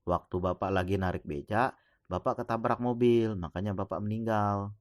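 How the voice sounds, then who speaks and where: Man quoting a quiet teenage boy. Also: fairly low pitch, fairly even intonation, moderate pace, no room sound, clean studio sound, close to an everyday voice.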